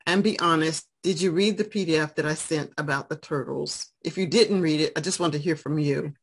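A woman teaching English to adult learners over a video call from home, speaking in a steady, encouraging way. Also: low-pitched, fairly quick, breathy edge. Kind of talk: online class chat.

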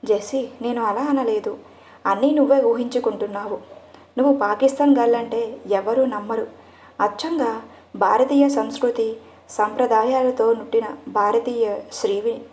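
A woman's voice: fairly high pitch, steady tone, moderate pace, a little mellow, close to an everyday voice. A woman narrator voicing an exasperated but affectionate young husband. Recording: echoey room.

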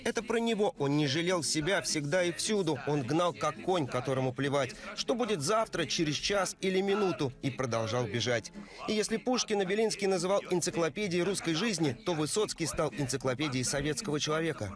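A man narrating a scripted news report in a measured, solemn voice-over. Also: a little high, lively intonation. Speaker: news correspondent. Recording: voice-over with music bed.

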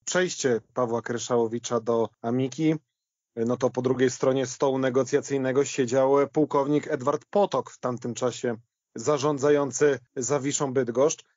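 A man's voice: medium pitch, steady tone, normal speed, darkish tone, no echo. A man telling anecdotes conversationally as a commentator on a sports podcast. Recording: dry, dull lo-fi audio.

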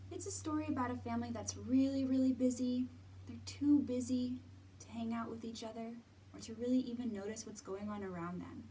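Here the thirties-aged storytime host speaks to small children indoors among library bookshelves, chatting and reading with lots of expression. Her pitch is fairly high but dark in tone, and the rough recording carries a slight hiss or hum.

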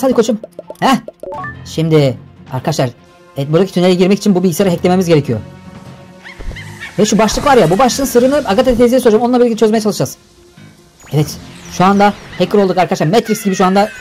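A young man giving energetic, exclamatory gameplay commentary for a video. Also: high-pitched. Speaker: gaming YouTuber. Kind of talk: excited game commentary.

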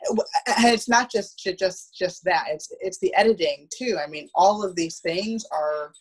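A woman in her thirties talking casually on a video call as a panel guest, halting and often repeating words. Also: fairly low pitch, husky, low-quality recording. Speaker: theater producer and guest. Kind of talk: casual roundtable talk. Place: room at home, video call.

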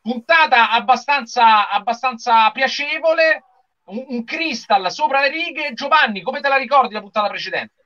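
A man's voice: very high voice, lively intonation, normal speed, pushed and bright. A man, chattily hosting a casual livestream with enthusiasm. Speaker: live show host. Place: small indoor room with shelves of figurines. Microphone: video call. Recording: dull lo-fi video-call audio.

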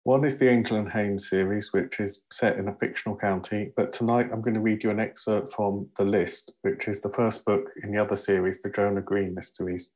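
Middle-aged southern English man, lowish, casual and a bit halting, headset call. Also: fairly even intonation, darkish tone, rough recording. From Surrey, England. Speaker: author introducing his book. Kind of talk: casual self-introduction.

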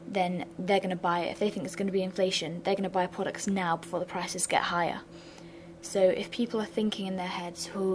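Young woman, mid-pitched, slightly raspy, flat bored delivery, casual revision voice-over. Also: slight background noise. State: slightly raspy from sore throat. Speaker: revision channel host.

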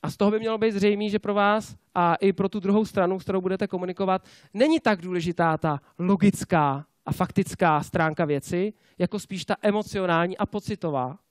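High-voiced man giving a sales talk. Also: hardly any pauses, dry recording, clean studio sound. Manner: lively, keeps asking the audience rhetorical questions with tag questions. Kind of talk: motivational conference talk. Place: conference stage before a live audience.

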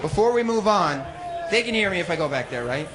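A man working as a warm-up host on stage, bantering casually and teasing the people around him. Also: sits high, very animated, fairly quick. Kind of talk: live crowd hosting, casual banter. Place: stage at a live event. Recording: live venue with crowd noise. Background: audience noise.

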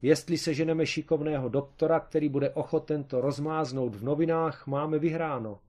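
A man voicing an excitable, scheming amateur detective in a comic storybook reading, with an eager, explaining manner and a raised voice. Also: mid-range voice, close to an everyday voice.

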